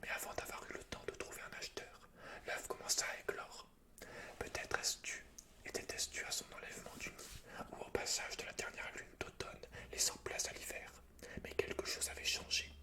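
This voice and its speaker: A man speaking in a soft, breathy whisper as an ASMR gaming host, informal and intimate. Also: normal speed. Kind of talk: whispered ASMR, chatting and reading game lore aloud.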